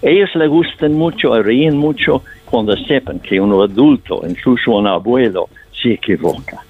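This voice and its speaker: A man's voice: medium pitch, moderate pace, slightly rough. An older man, a stage actor speaking Spanish as a second language, answering interview questions in a thoughtful, storytelling way. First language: not Spanish. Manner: thoughtful, storytelling, slightly non-native Spanish phrasing. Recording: tinny phone line, dry.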